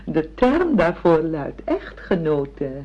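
A woman's voice: low-pitched, sing-song, slow, heavily acted. An actress in a radio play voicing a theatrical, scheming wife who bosses and coaxes her family. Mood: pointed. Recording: dull, slightly noisy radio play recording.

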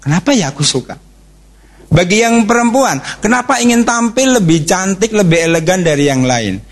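A middle-aged man giving a lively religious seminar talk, jokey and animated, putting questions to the audience. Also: sits high. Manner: animated, jokey, asks the audience questions, acts out quick exclamations. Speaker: speaker at a parenting and youth talk.

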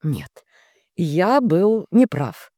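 A woman voicing a smug, hypocritical husband who talks in a smooth, placating, condescending way. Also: lowish voice, sing-song, extremely slow, dark tone, dry recording, studio quality, voice pushed up, full character voice.

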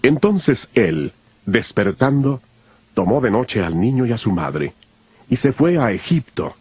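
A man narrating scripture from a script in a solemn, measured storytelling manner. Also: medium pitch, big pitch swings, darkish tone, breathy edge, dry recording. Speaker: Bible narrator.

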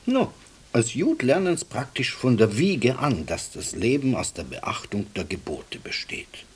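A wry Jewish handyman from the East in a radio drama. His voice is very husky and breathy, leaping up and down as he explains. He speaks colloquial with a tinge, humble yet insistent. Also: mid-range voice, sing-song, unhurried, heavily acted. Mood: earnest, explaining. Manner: colloquial, hesitant, emphatic storytelling. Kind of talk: radio play dialogue.

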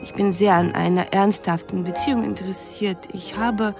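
A woman's voice: medium pitch, fairly even intonation, normal speed, gravelly, lightly acted. Earnest young woman played by an actress, over music. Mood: cautious, earnest. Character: earnest young Russian woman writing lovelorn emails. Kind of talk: radio drama, reading out letters.

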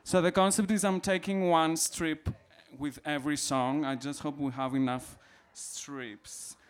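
A man from Greece with a Greek accent, bantering playfully with a live audience as a cabaret performer and guiding them slowly through instructions. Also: fairly high pitch, steady tone, clean tone. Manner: playful, teasing, slow guided instructions. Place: club stage, live show. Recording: reverberant live club with accordion. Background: live accordion music.

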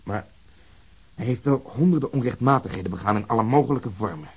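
An actor playing a blunt, bitter police officer in a radio drama, with a husky, emphatic delivery. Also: male voice, medium pitch, brisk. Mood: cynical.

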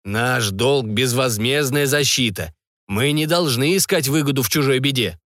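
A man voicing a stout older father who lectures his family in a measured way. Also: mid-range voice, a bit bright, no echo, studio quality, natural voice. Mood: reproachful.

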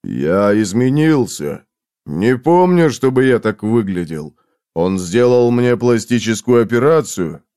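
A man voicing a gruff, tormented man in a storybook reading, speaking slowly and tersely. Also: mid-range voice, big pitch swings, mellow, no echo, clean studio sound. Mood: brooding. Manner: slow, heavy, terse.

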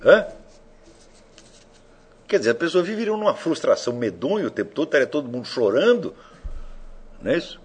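A man gives a loose, conversational lecture, firing rhetorical questions at his audience and swearing offhandedly. His voice is husky, and his pitch swings widely as he talks. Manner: provocative, asks rhetorical questions, swears casually. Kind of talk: informal philosophy lecture.

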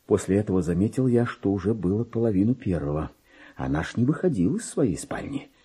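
An actor playing a lowly, self-important and excitable government clerk, delivering his diary as a theatrical radio monologue, with exclamations and hushed muttering in a husky voice. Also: brisk. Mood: excited, indignant. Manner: exclamatory, swinging from hushed muttering to shrill rapture. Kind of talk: theatrical dramatic monologue, diary read aloud.

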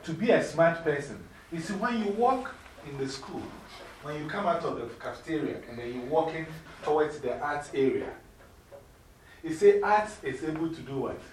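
A middle-aged woman with a Ghanaian accent, mentoring young people in an informal classroom talk, lively and preachy, laughing easily. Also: low voice, moderate pace, a little hiss or hum. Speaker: mentor speaking to youth. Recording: echoey room from far off.

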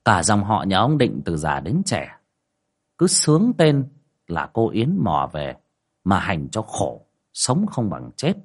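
A man narrating a ghost story in a hushed, dramatic way. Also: sits low, huge pitch swings, slow pace.

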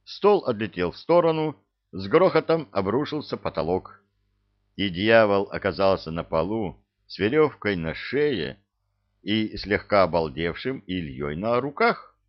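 A man with a low voice narrates a story expressively, his pitch rising and falling widely. The recording is dull and lo-fi. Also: big pitch swings, unhurried. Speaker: audiobook reader. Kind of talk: scripted audiobook narration. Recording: dull lo-fi audio.

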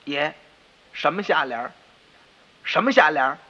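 A man's voice: animated, takes it slowly, sharp tone, exaggerated voice. A man with a Beijing accent playing a timid, whining house steward who pleads with his master. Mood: meek. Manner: low, meek and pleading. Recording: dull lo-fi radio recording.

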